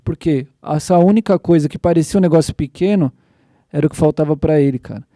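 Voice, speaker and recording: A young man hosting a casual church podcast, excitedly retelling scripture in slangy everyday speech. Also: a little high, fast talker, dry recording, clean studio sound. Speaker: podcast host.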